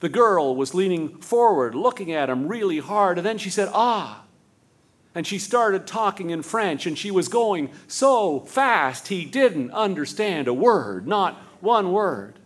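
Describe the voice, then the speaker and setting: A man narrating a live story in a light, fairly high voice. He strings long sentences together and drops to a slow hush for the tender parts. It sounds like a storyteller holding a room. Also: expressive. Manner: slows to a hush for tender moments, building run-on sentences. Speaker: storyteller and host.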